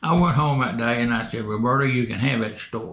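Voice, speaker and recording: A man with an Appalachian accent talks at a fairly quick pace and medium pitch. There is noticeable background noise and audible room echo. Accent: Appalachian American. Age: 80s+. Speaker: retired coal miner and farmer. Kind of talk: casual interview.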